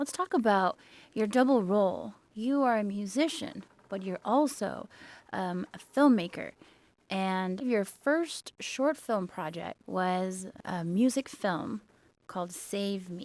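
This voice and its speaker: A woman at medium pitch with lively intonation, a plain, everyday voice at a fairly slow pace, on a very clean recording with a silent background. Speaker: radio host. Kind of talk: interview.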